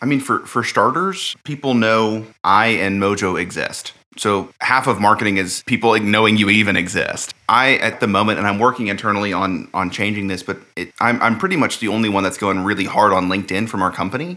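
A man speaks fairly quickly at a fairly low pitch. His tone is bright and sharp, with ordinary pitch variation. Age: 20s. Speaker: marketer and podcast host. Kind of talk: casual interview.

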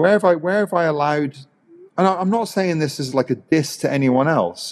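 Pitch swings very widely while the speech keeps a moderate pace. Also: man. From England, Norwich; later Northern Ireland and Scotland. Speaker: electronic music producer and DJ. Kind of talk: casual chat.

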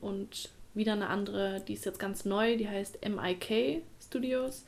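This is a woman with a normal speaking voice. Her fairly high pitch shows ordinary pitch variation. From Freiburg, southwest Germany. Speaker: dancer and podcast co-host. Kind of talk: casual chat.

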